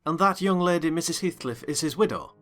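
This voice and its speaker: A reader voicing a curious, formal gentleman tenant who narrates in first person. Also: mid-range voice, lively intonation, fairly quick, close to an everyday voice. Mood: inquisitive. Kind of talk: dramatized audiobook reading.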